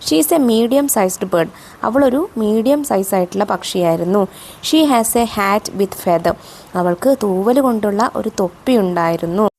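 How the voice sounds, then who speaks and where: A woman teacher with a Malayali accent explaining a textbook, reading English lines slowly and then explaining them. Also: medium pitch, darkish tone, slight background noise.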